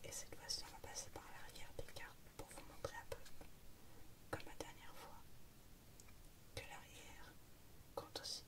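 The speaker talks at a moderate pace, with long pauses coming often. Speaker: card collector ASMR creator. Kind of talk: ASMR card opening. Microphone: handheld.

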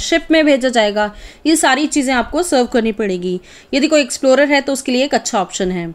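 Her voice is high-pitched with ordinary pitch variation. The woman keeps a moderate pace. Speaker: defence exam coaching educator. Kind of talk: educational explainer video.

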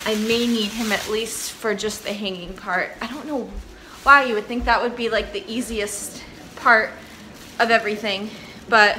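A woman speaks at a moderate pace with fairly even intonation and long, frequent pauses, against light background noise. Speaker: home vlogger. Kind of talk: casual vlog chat. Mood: relaxed, chatty. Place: home room. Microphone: phone near.

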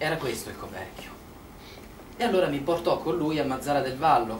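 A man speaks at a fairly quick pace with ordinary pitch variation. Light background noise and audible room echo are present. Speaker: stage actor. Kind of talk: theatrical monologue narration. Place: stage. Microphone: camera far.

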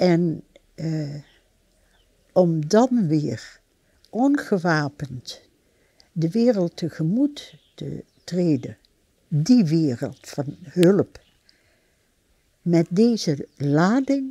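Against a quiet background, a woman speaks at a very slow pace with long, frequent pauses. Her fairly low pitch swings very widely in a dark, mellow tone. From Leiden, Netherlands. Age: 80s+. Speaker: LGBT senior advocate. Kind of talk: interview answer. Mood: reflective, personal storytelling. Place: garden. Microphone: lapel.

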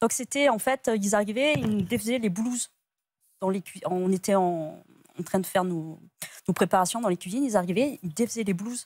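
Over a quiet background, a woman talks at a moderate pace with ordinary pitch variation. She leaves long, frequent pauses. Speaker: chef. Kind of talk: personal testimony. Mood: earnest, recounting painful experiences. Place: studio. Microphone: lapel.

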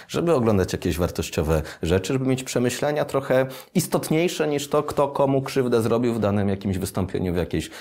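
Words tumble out of this man very fast, roughened by vocal fry. His pitch leaps up and down across a very wide range. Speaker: show host. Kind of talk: interview host introduction. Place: studio.

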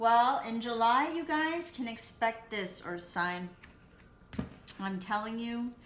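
Slight noise hums in the background. The woman's delivery is very slow. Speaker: tarot reader. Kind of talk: casual card reading commentary. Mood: excited, amazed. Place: home room. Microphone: phone near.

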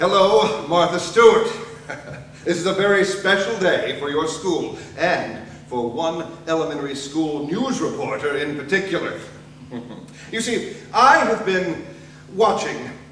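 Over light background noise and audible room echo, a man speaks at a fairly slow pace with lively intonation and long, frequent pauses. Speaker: presenter. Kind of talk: speech to an assembly. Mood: flustered, searching for an item. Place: hall. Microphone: camera far.

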